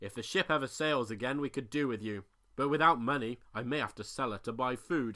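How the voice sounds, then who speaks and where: In a gruff, put-on character voice, a man speaks at a medium pitch and a fairly quick pace. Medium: read story. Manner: gruff, barking.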